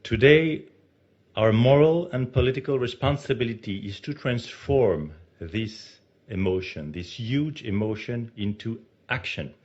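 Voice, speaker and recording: A man with a French accent giving a formal ceremonial speech as a diplomat, emphatic and measured, with stressed pauses. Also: medium pitch, a little mellow. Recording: muffled lo-fi recording.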